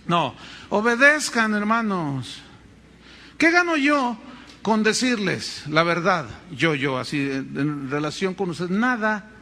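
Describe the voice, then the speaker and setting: A Mexican man preaching a sermon as pastor, with animated, dramatic storytelling. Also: sits high, measured pace.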